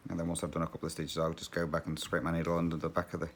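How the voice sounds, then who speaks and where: A very deep-voiced man chats while he stitches, in a loose, rambling way. He laughs often and drifts off topic. A faint hiss of noise sits under his voice. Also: monotone, rapid-fire. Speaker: cross-stitch channel host. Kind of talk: casual chat while stitching.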